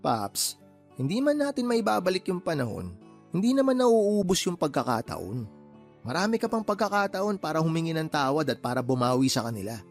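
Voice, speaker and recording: A man's voice: on the high side, very animated, a little fast, soft background music. An actor playing a teasing, joking male friend in a radio drama, laughing often. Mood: comforting. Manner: playful, wisecracking, laughs often. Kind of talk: Tagalog radio drama acting.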